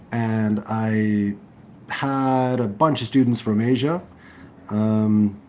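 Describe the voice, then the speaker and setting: Slow, mellow man chatting live. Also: on the low side, a little hiss or hum. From Serbia. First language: Serbian. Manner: hesitant, many ums and restarts. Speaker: livestream host. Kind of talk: casual live chat reading comments.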